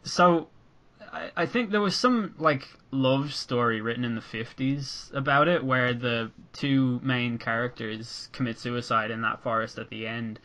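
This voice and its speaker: A young man chatting casually on a podcast, rambling with many halting restarts and a dark sense of humor. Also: mid-range voice. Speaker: podcast host. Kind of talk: casual chat.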